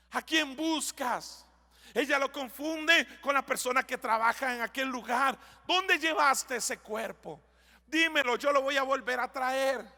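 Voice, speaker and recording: A man preaching a language sermon as a pastor, reading scripture slowly and building to emphatic declarations. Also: very high-pitched, sharp tone. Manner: reads scripture slowly, then preaches with rising intensity. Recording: long church hall reverb.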